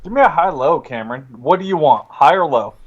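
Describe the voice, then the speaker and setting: A man's voice: fairly high pitch, expressive, a little fast, dull audio, slight background noise. A man playing a tabletop roleplaying game, chatting casually and improvising in character.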